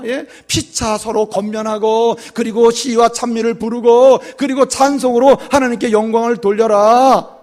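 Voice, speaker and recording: A man's voice: sits high, a little mellow. A male pastor preaching a sermon in a church, often asking the congregation questions and telling jokes. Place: church sanctuary.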